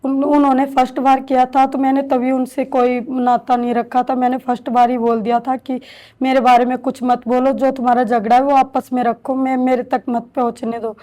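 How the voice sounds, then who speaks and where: Hesitant soft-spoken woman telling her story. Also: high-pitched, little pitch movement. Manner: halting, slow, hesitant with restarts. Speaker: interviewee, domestic violence survivor. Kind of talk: emotional personal testimony. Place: shelter home.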